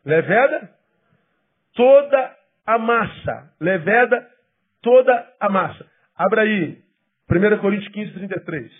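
A male pastor preaches a sermon with a fairly high, husky voice. He leans hard on key phrases, then falls to soft, low asides. The recording is thin and phone-like. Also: lively intonation. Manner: emphatic preaching with sudden drops to quiet, low asides; acts out quoted people in quick bursts.

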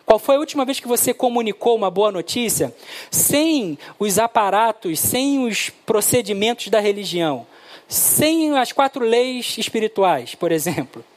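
A man, preaching a sermon and telling stories, acting out the dialogue with lively shifts. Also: sits high, normal speed. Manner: animated, acts out dialogue with his son. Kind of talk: sermon with storytelling.

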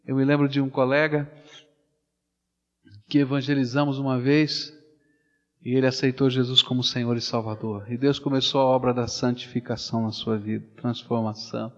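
A man with a Brazilian Portuguese accent preaching a sermon, swinging from loud animated storytelling to hushed, slow pleading. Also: mid-range voice. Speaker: pastor. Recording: dull sound with long hall reverb.

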